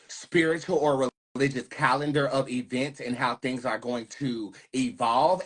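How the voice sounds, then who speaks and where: A man with a medium-pitched, slightly rough and husky voice hosts a tarot reading. He talks in a casual, unscripted way, leaning hard on key words. His manner is earnest and conspiratorial. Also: a bit bright. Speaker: tarot reader and host.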